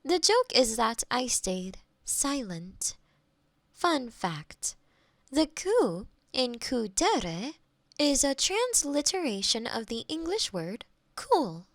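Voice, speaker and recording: A woman's voice: high-pitched, big pitch swings, vocal fry, no echo, full character voice. A woman playing a polite, literal AI girlfriend in a scripted roleplay, speaking formally and helpfully, close on a binaural microphone. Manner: formal, measured, robotically helpful. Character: polite female AI girlfriend companion, literal, eager to please. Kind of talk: scripted roleplay audio, ASMR.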